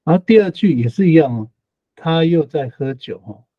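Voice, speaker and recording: A man's voice: fairly high pitch, lively intonation, moderate pace, no room sound, muffled recording. A man teaching an online language class, explaining patiently, repeating phrases and ending sentences with tag particles.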